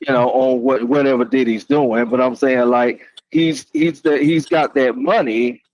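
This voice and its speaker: A man chatting casually as a panelist, halting and roundabout, often saying "you know". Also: mid-range voice, fairly even intonation, a little mellow, no room sound, low-quality recording. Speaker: panelist asking a question. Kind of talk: casual chat.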